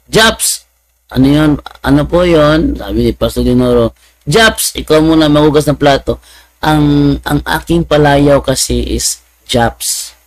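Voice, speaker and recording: A man's voice: mid-range voice, no room sound. A man, a Catholic apologist who tells funny personal stories and laughs often. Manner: animated, laughing, mimics voices. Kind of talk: humorous storytelling talk.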